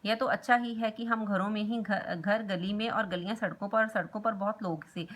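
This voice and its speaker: A woman's voice: medium pitch, fairly even intonation, normal speed, a bit bright, close to an everyday voice. A woman voicing a kindly, chatty old male letter box who grumbles about scoundrels.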